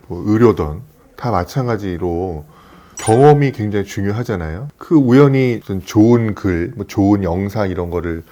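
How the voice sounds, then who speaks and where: A man's voice: lowish voice, lively intonation, normal speed, dark tone. A man in his fifties, a plastic surgeon, telling stories in an earnest, reflective way. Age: 50s. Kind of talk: casual conversational talk.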